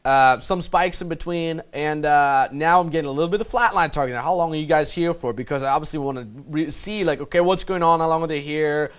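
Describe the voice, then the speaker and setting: A man's voice: on the high side, fairly quick, few pauses, clear, resonant tone. A young Austrian man with an Austrian accent, a dating coach talking brashly and profanely while breaking down his street conversations, laughing often.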